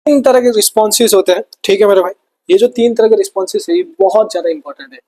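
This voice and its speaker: A man's voice: high voice, lively intonation, fast, dark tone, poor audio. Young guy teaching science, chatty, keeps saying bhai, repeats terms. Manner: chatty, addresses students as brother, repeats key terms. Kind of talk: exam-prep lesson.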